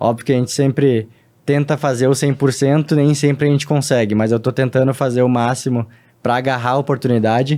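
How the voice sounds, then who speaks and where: In a southern Brazilian accent, a man speaks at a medium pitch with a dark, mellow tone, a monotone, flat intonation and very even loudness. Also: fairly quick pace. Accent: southern Brazilian (gaúcho). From southern Brazil, Novo Hamburgo, Rio Grande do Sul. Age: 20s. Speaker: racing driver. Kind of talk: interview.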